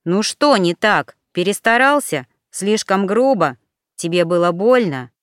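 A woman reader voicing a tired, bewildered young man who keeps calmly pressing for answers. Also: unhurried, no room sound, clean studio sound. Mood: weary. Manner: tired, low-key, insistent questioning. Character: weary bewildered young man, trying to stay calm.

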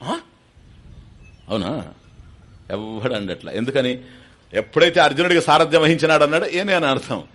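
A man's voice: on the high side, lively intonation, normal speed, pauses often, a bit bright. A man giving a spiritual sermon, asking rhetorical questions and chanting verses. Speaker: spiritual teacher giving discourse. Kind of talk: sermon on scripture.

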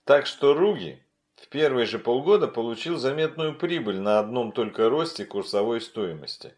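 A man reading an audiobook as its narrator, telling the story in an expressive way. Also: medium pitch, normal speed.

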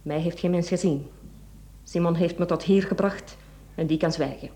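An actress with a Flemish accent playing a cold, domineering, calculating wife in a radio play, commanding and clipped. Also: female voice, fairly low pitch, moderate pace, mellow, lightly acted. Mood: cold, scheming. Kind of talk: Dutch-language radio play acting.

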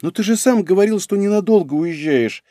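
A man doing a young red-haired woman, raising his pitch into a pleading, whining tone. She begs and sulks. The sound is dry and close. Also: lively intonation, a little fast, warm tone, dry recording. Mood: whiny.

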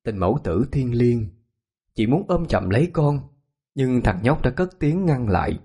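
A man narrating a ghost story in a measured, hushed way. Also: mid-range voice, sing-song, breathy edge.

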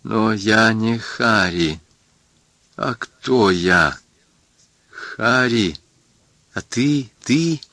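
A man's voice: on the low side, lively intonation, extremely slow, pauses often, bright, forceful tone, no echo, exaggerated voice. A man voicing a distraught, frightened young woman, pleading in breaking phrases in an audiobook. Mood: bewildered. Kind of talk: audiobook character voice.

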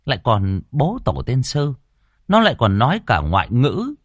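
A man narrating a ghost story in a colloquial, expressive way. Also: medium pitch, moderate pace, no echo, clean studio sound.

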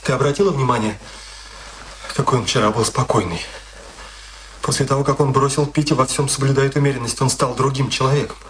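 An actor playing a conscientious, forgiving family friend in a radio play, speaking earnestly, reasoning with dramatic delivery. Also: male voice, medium pitch, fairly even intonation, fairly quick, pauses often, natural voice. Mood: thoughtful. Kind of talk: Russian radio play acting. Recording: noisy old radio drama recording with clicks.

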